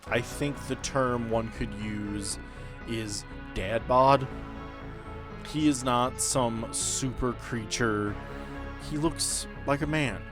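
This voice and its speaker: A man acting as game master, narrating a tabletop role-playing game in a deliberate, descriptive way with pauses mid-sentence. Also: medium pitch. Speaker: game master and host of an actual-play podcast. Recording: background music under the voice.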